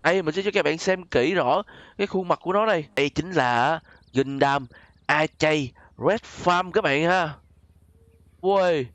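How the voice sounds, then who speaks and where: His voice is fairly high and fairly bright, and he takes his time. The man is a gaming YouTube host with a southern Vietnamese accent, giving casual, exclamatory commentary with role-play and often calling out to his viewers, recorded with no echo.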